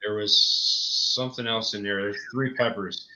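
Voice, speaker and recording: A man's voice: fairly low pitch, steady tone, measured pace, sharp tone. A man, chatting casually as a guest on a video call. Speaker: livestream guest. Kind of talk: casual chat. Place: small room indoors. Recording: muffled video-call audio.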